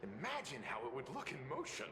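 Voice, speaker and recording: A man playing a polite, middle-aged robot enthusiast with formal, measured wording in a video game. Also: medium pitch, wildly swooping pitch, creaky, background noise. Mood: wistful awe. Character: mature, polite man, earnest giant-robot fan. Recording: echo, loud game music behind.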